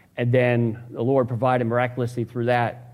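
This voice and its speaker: With an American accent and a medium pitch, a man speaks at a fairly quick pace amid audible room echo. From US Northeast, Long Island, New York. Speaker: missionary. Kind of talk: sermon. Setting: church. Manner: halting, many fillers.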